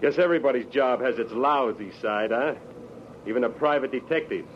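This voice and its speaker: A man's voice: medium pitch, a little fast, natural voice. A man acting a surly, jealous young American handyman with sneering sarcasm in a 1940s radio drama. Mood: hostile, sneering. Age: young adult. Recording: muffled old radio recording, faint noise.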